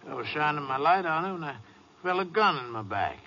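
Bright, folksy night watchman. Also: fairly high pitch, big pitch swings, fairly quick, exaggerated voice. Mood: earnest, cooperative. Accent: American. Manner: plain, rural, ungrammatical speech. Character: shaken, folksy night watchman, respectful and cooperative. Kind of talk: 1950s western radio drama acting. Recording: dull old radio recording, faint noise.

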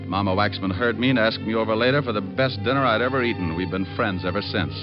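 A man's voice: fairly low pitch, lightly acted. An American man acting a cocky, flippant private detective who wisecracks and narrates in an old radio drama. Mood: reflective narration. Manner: flippant, quick with sarcastic quips. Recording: muffled old radio recording, music behind.

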